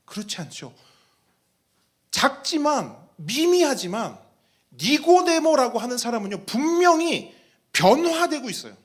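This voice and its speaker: A man, a pastor, preaching a sermon, asking the congregation questions and acting out the voices he quotes. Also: high voice.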